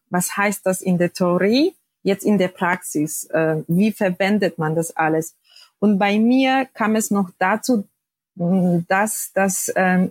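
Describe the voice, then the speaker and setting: Husky Polish-accented woman in her forties. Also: medium pitch, no room sound. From Poland. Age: 40s. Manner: hesitant, many fillers. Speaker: podcast guest. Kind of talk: personal interview.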